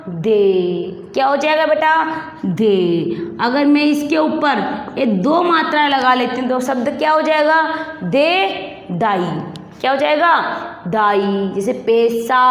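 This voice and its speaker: Lady teacher, high voice, slow patient drilling, echoey classroom-type reverb. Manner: slow, repetitive drilling, calls pupils "beta". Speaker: primary school Hindi teacher. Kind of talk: classroom lesson on vowel signs. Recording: echoey room, long reverb.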